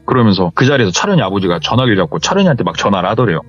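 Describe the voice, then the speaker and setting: A man's voice: on the low side, big pitch swings, racing. A man, host of a horror story radio show, retelling a ghost story casually in hearsay style. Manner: colloquial, hearsay-style retelling, acts out the dialogue. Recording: muffled, with faint music.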